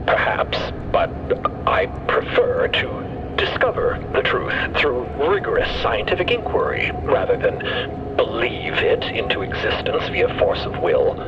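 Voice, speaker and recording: A man playing a thoughtful scientist whose mind lives in a mechanical body, speaking deliberately and analytically in an audio drama. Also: mid-range voice, wildly swooping pitch. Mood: measured conviction. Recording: dull band-limited sound with background noise.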